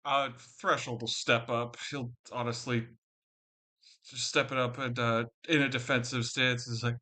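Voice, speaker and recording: A man plays a tabletop role-playing game and chats casually about his moves. His voice sits at a middle pitch. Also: level tone, unhurried, pushed and bright.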